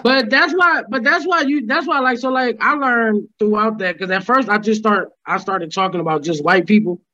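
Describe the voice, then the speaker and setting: High bright-voiced young comedian, slangy. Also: male voice, moderate pace, dry recording. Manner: relaxed slangy storytelling, laughs often. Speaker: stand-up comedian guest. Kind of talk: casual podcast chat. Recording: slightly dull lo-fi sound.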